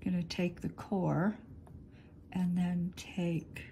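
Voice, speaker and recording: Slow, gravelly-voiced woman teaching clay. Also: lowish voice, level tone, warm tone, slight background noise. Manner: slow, thinking aloud while working with her hands. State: sniffly, congested. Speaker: polymer clay artist teaching. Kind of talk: relaxed studio demonstration. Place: home studio. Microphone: overhead camera on hands, speaker off screen.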